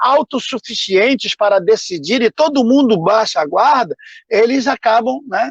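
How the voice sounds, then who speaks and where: A man is speaking. His pitch is high. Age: 60s. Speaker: pastor. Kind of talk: video call discussion. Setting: online live stream.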